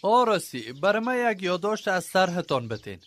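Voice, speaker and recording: Eager Afghan village organiser, highish animated voice. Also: male voice. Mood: enthusiastic, encouraging. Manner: eager, full of praise. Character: enthusiastic, encouraging village organiser leading a meeting. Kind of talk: radio drama acting.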